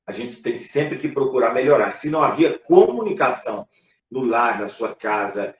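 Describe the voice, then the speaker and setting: A man, a pastor, talking casually in a church live broadcast, relaxed and conversational with frequent fillers. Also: medium pitch, normal speed, distant mic. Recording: echoey room, voice from afar.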